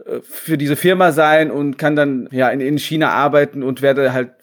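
A man's voice: mid-range voice, fairly even intonation, moderate pace. A man in his thirties, a guest talking casually at home over a video call, hesitant with many restarts. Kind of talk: casual remote interview.

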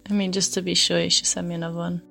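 A woman's voice: lowish voice, flat delivery, very fast, gravelly, fairly bright tone, soft background music. A woman bantering coyly on a podcast, laughing often as she teases back. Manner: coy, laughing. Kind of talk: casual flirty banter.

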